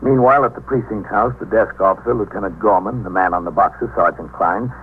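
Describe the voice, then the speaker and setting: An actor in a 1950s radio drama playing a calm precinct captain who also narrates. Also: male voice, low voice, lightly acted. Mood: steady. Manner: measured, deliberate. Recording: tinny old radio broadcast with faint hiss.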